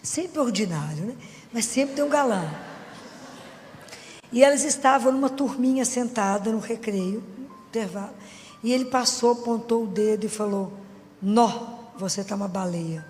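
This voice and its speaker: A woman's voice: a little high, moderate pace, pauses often, a little mellow. A middle-aged woman with a Minas Gerais accent preaching a conversational sermon and keeping the audience engaged with frequent questions. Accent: Minas Gerais Brazilian Portuguese. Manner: chatty, keeps asking the audience for agreement. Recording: long hall reverb with faint music.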